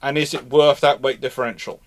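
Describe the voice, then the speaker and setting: During a live, unscripted question-and-answer session, a man who hosts on naval history responds with emphatic yet halting speech. His voice is mid-range and steady in tone, and he often circles back and repeats things for emphasis.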